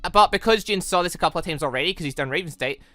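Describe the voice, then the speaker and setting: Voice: mid-range voice, rapid-fire, pushed and bright, no echo. A chatty let's-play host, rambling casually and correcting themself mid-thought. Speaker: host of a gaming channel.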